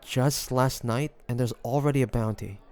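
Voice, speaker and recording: A man's voice: medium pitch, moderate pace, darkish tone, some chatter behind, natural voice. A man playing a devoted fantasy adventurer and healer in an audio roleplay, speaking intimately and earnestly. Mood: guarded, shocked, determined. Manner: intimate, earnest, with breathy sighs. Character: devoted fantasy adventurer and healer, tender toward his dragon beloved. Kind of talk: dramatic audio roleplay addressed to the listener.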